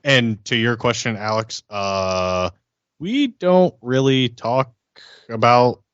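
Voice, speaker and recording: Guy playing a tabletop rpg, bright punchy voice, dry and slightly dull mic. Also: mid-range voice, lively intonation, slow, clear, resonant tone, no echo. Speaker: tabletop role-playing game player. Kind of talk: casual in-game banter.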